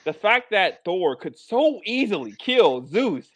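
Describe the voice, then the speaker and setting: A man's voice: high-pitched, very animated, slow pace, fairly bright tone. A man co-hosting a casual film review podcast, talking in an emphatic, incredulous rant. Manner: incredulous, emphatic ranting with mock quotes. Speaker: podcast co-host.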